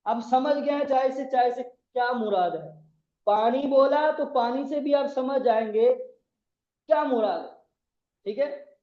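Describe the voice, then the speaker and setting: High-voiced man teaching grammar in echoey room. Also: slow pace, dark tone. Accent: Pakistani Urdu. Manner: repetitive, spells out words letter by letter. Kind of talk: classroom lecture. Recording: echoey room, dull lo-fi sound.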